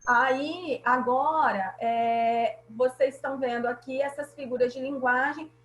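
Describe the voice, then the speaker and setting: A woman's voice: high voice, steady tone, a little slow, reverberant, poor audio. A woman teacher with a Brazilian Portuguese accent, patiently explaining grammar in an online class and often checking that students follow.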